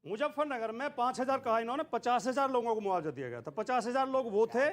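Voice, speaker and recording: A man's voice: extremely high pitch, lively intonation, fast talker, fairly bright tone. A man debating as a political spokesman in a televised argument, combative and given to repeating himself.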